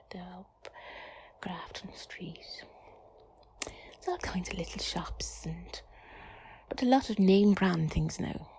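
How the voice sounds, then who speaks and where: A woman's voice: mid-range voice, gravelly, darkish tone, breathy edge. A woman with an Irish accent does an intimate whispered role-play as a rambling, chatty tour guide, speaking breathily to the listener as a companion.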